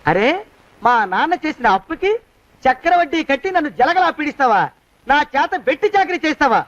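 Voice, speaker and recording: Comic film role: a loud, taunting young blackmailer with a very high voice. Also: male voice, animated, brisk, a little hiss or hum. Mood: scornful. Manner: loud, needling, repeats a taunt. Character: cheeky young man blackmailing his creditor. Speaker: film character, a debtor's son pressing a moneylender. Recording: dull film soundtrack.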